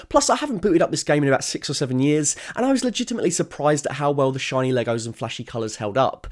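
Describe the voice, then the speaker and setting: A man's voice: a little high, a little mellow. A young man narrating a scripted video essay in an enthusiastic, wry, conversational way. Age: young adult. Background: background music.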